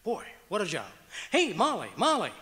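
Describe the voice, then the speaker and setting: A cranky, boastful comedy husband played by a man with a high, bright voice. He blusters in a folksy, argumentative way, as in old-time radio, from an echoey auditorium stage. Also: huge pitch swings, normal speed, full character voice. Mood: eager, flustered.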